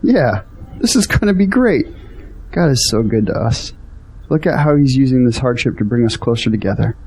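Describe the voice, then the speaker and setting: A man's voice: medium pitch, animated, moderate pace, a little mellow, breathy edge. An actor playing an earnest, hopeful young Christian man in an audio drama. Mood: upbeat. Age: young adult.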